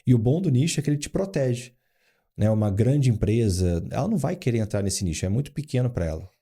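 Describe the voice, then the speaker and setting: Very animated and quick-paced, a man's medium-pitched voice sounds mellow with a breathy edge. He is a Rio de Janeiro-born founder and board adviser in his forties, recounting business anecdotes with acted-out quotes as a casual interview guest.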